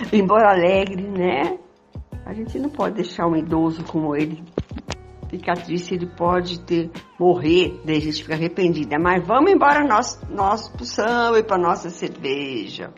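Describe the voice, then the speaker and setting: A woman's voice: fairly low pitch, moderate pace, soft background music, close to an everyday voice. An older Brazilian woman playing a tender, sly former sweetheart in an amateur radio soap. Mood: coaxing. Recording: dull lo-fi recording.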